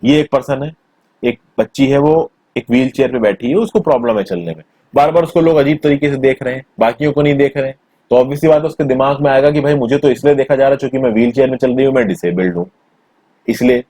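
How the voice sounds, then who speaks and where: A man teaching a school textbook chapter in a conversational way, mixing in English terms, recorded on a close mic in a small quiet room. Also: mid-range voice, fast talker, no room sound. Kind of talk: textbook lesson explanation.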